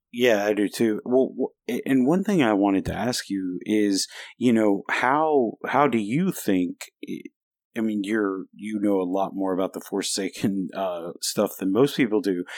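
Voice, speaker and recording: A man with a Southern US accent speaks at a fairly slow pace and a fairly low pitch, with ordinary pitch variation. The recording is very clean with a silent background, the sound dry and close with no echo. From US Southeast. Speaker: podcaster. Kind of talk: casual chat.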